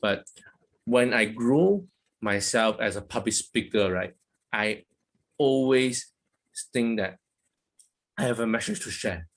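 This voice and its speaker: A man from Malaysia, speaking in halting, hesitant phrases over a video call. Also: on the low side, expressive. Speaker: guest speaker.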